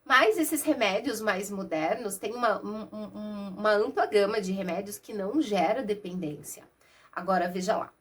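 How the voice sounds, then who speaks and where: A woman's voice: medium pitch, normal speed, breathy edge. A Brazilian woman with a cold, talking nasally and conversationally as a therapist explaining things to her viewers without an external microphone. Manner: warm, conversational, uses many diminutives and asides. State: has a cold. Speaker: therapist and mentor. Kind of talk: casual explainer talk to camera.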